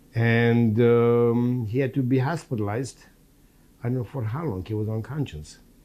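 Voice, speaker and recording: Against a silent background in a very clean recording, a man speaks at a moderate pace and medium pitch with a dark, mellow tone and ordinary pitch variation. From Czechoslovakia (Subcarpathian region). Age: 70s. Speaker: Holocaust survivor. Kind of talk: testimony. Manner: halting, many fillers and restarts.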